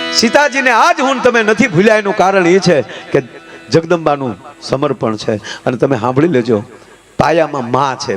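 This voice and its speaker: Higher-voiced man telling folk comedy stories. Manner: lively storytelling, jumps into character voices and chants. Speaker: stage comedian. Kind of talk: Gujarati folk comedy storytelling.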